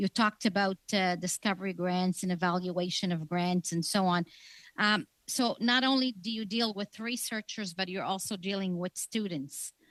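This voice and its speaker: At a moderate pace, a woman with a non-native accent talks with ordinary pitch variation. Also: medium pitch for a woman, dry, close sound with no echo, very clean recording, silent background. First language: not English. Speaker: member of parliament on committee. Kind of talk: committee hearing questioning.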